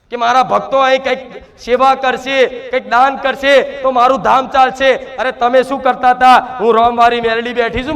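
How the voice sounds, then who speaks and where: A man, speaking loudly as a spirit medium in a trance sermon to devotees, full of repetition and rhetorical questions. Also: extremely high pitch. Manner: loud, shouting, declamatory.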